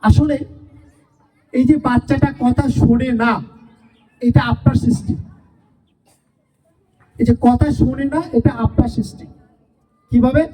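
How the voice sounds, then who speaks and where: Speaking to parents in a farewell speech at a school event, a woman teacher repeats phrases and poses rhetorical questions to the audience. Her fairly high, warm voice has fairly even intonation, moves unhurriedly and pauses often, and is picked up from far off.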